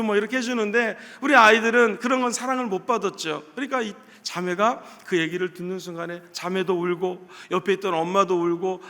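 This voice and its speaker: High, bright-voiced preacher in a reverberant church. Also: male voice. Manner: storytelling preacher, swells to loud exclamations. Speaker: pastor. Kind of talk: sermon. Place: church sanctuary.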